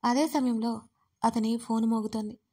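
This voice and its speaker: A woman narrates a dramatic audio story in the first person. Her delivery stays even and flat, with little rise and fall, and her voice sits a little high. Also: normal speed, slightly rough.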